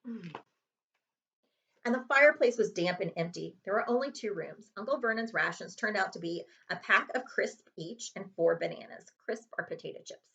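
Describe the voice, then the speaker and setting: A woman reading a children's chapter book aloud as an expressive storyteller, like a librarian at story time. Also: medium pitch, moderate pace, gravelly, dull audio. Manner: expressive storytelling with character voices.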